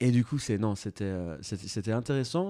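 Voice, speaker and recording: A man's dark, mellow voice, fairly low in pitch, with ordinary pitch variation over a quiet background. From Burgundy, France (Dijon). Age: 30s. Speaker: citizen collective organizer. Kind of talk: interview. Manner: halting.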